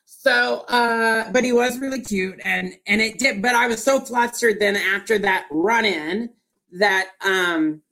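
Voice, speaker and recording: A woman with a Southern US accent, hosting a casual chat show and telling a lively story. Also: on the high side, unhurried. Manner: animated storyteller acting out quoted dialogue. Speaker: podcast host.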